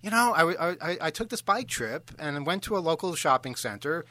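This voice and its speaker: A man hosting a radio talk show, telling a long self-deprecating story in a halting, rambling way. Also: fairly high pitch, very animated, bright, forceful tone. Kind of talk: casual on-air storytelling.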